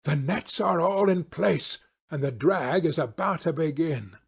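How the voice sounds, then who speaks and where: A man's voice: fairly high pitch, a little slow, vocal fry, slightly rough, full character voice. A man playing a confident, eager male detective in an audiobook, with commanding, precise phrasing. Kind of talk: audiobook character acting.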